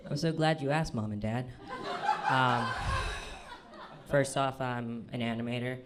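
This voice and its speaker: A young trans man telling self-deprecating stand-up stories on a comedy club stage, halting often with ums and uhs. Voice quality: fairly low, manly voice. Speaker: stand-up storyteller. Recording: live club recording with audience noise. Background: audience laughter.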